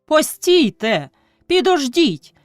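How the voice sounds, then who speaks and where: A woman's voice: on the high side, big pitch swings, moderate pace, dry recording, studio quality, faint music behind. A woman reading a novel aloud, voicing a village man who urgently pleads and protests with a raised voice. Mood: pleading, indignant. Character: shouting village man, defending a widow.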